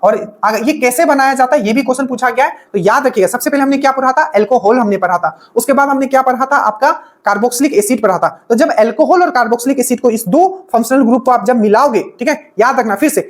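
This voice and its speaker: A woman's voice: on the high side, fast, hardly any pauses. A woman teaching an exam-prep lesson, explaining step by step, repeating key points and often checking in with her students. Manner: explains step by step, often checking in with "okay" and asking rhetorical questions. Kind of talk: exam-prep classroom lecture.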